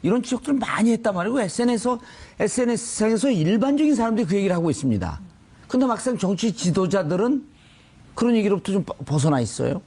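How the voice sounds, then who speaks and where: A man's voice: sits high, big pitch swings, quick pace, a little mellow, husky. A man hosting a current affairs talk in a colloquial, opinionated way, often interjecting. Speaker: talk show host.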